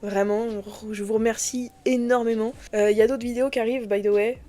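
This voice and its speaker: A woman's voice: a little high, mellow. Gushing, slangy young woman chatting casually. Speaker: digital artist reviewing a drawing tablet. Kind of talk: casual vlog chat to viewers.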